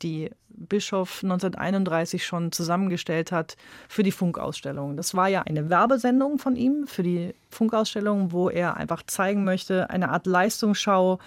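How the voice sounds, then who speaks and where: A woman's voice: mid-range voice, dry recording. A woman giving conversational expert commentary as a radio director, recorded in a studio. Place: dry studio.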